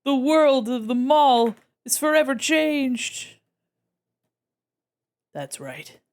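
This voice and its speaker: A woman playing a mock-sinister villain woman who gloats slowly and quietly about her growing power. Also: high voice, very animated, heavily acted. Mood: gloating. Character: gloating would-be villain woman plotting world fame.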